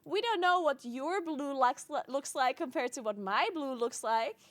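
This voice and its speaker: Woman streamer, German native speaker from Italy, high voice, teasing and laughing, dry close sound. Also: expressive, normal speed, no echo. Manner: playful, laughs often, teasing. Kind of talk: casual chat with stream viewers.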